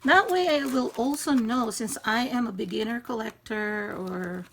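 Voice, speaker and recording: A woman in her fifties with a naturally husky, allergy-hoarse voice, chatting through a craft tutorial step by step. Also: on the high side, moderate pace, slight background noise. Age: 50s. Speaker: craft channel host. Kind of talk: casual DIY tutorial. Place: craft room in a home loft.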